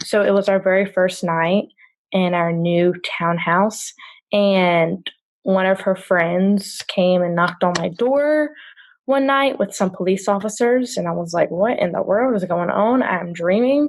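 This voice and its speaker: A woman with a North Carolina accent talks at a fairly slow pace in a medium-pitched voice with lively intonation. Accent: Southern US (North Carolina). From North Carolina, Greenville. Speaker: grief coach. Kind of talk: podcast interview.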